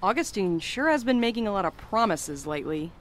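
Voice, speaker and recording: Actress as irreverent young woman courier, medium pitch, highly varied intonation, wry, teasing, audio drama. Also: animated, fairly quick, lightly acted. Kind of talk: naturalistic audio drama acting.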